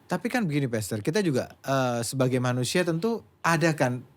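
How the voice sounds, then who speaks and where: Casting: male interviewer, calm and measured, polite hesitations. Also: mid-range voice. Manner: measured, hesitant with fillers, addresses guest as Pastor. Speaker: host asking questions. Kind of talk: interview questions on a church talk show.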